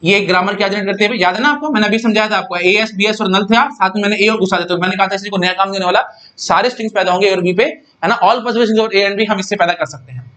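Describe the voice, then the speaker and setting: A man's voice: high voice, fast talker, fairly bright tone. A man giving a casual, chatty lecture, repeating points and often checking whether students follow. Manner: chatty, repeats himself, keeps asking students if they follow. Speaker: teacher.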